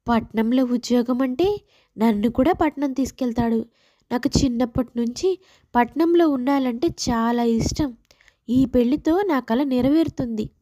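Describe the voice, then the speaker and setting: Woman as ambitious young bride, high pitch, mellow tone, scheming, storybook family drama. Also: moderate pace, lightly acted. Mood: secretly pleased. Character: scheming, city-hungry young village wife.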